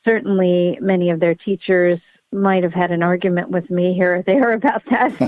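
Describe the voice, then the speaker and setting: A woman's voice: lowish voice, fairly even intonation, moderate pace, no room sound. Woman doctor guest, earnest and upbeat, heard over a dry, tinny phone-like line. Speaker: pediatric neurologist guest. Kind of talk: podcast interview.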